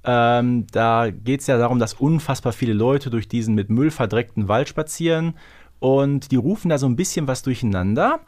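A man's voice: mid-range voice, normal speed, darkish tone. A man co-hosting a podcast, chatting casually about audio dramas. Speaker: podcast co-host.

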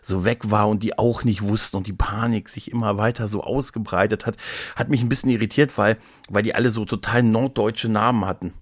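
A man's voice: lowish voice, steady tone, fairly quick, few pauses, no echo, studio quality. A middle-aged man chatting casually as a podcast co-host, retelling things in a rambling, playful way with repeated words. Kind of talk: casual conversational storytelling.

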